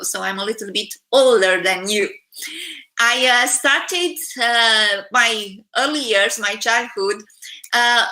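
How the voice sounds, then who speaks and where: Bright-voiced woman in her thirties, echoey. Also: fairly high pitch. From Romania. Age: 30s. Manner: earnest, many filler pauses. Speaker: keynote speaker. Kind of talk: conference talk.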